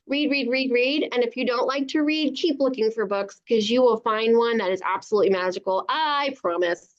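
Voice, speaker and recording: A woman's voice: a little high, normal speed, lo-fi sound. A woman, a children's book author, answering young children's questions in an encouraging, simple way on a live online event.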